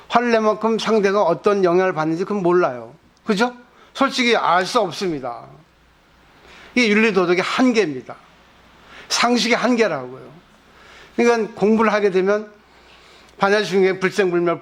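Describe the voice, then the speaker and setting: A Buddhist monk giving a sermon at a weekend temple service, teaching conversationally and often putting rhetorical questions to the listeners. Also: male voice, high voice.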